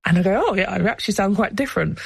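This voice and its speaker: A woman's voice: medium pitch, animated, racing, gravelly, breathy edge, no room sound. A woman with a South London accent speaks openly and reflectively as an interview guest. Her voice sits in an ordinary middle register and sounds dry and close, with no room around it. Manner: reflective, heartfelt, peppered with "like". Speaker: guest, former rugby player. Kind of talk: candid interview answers.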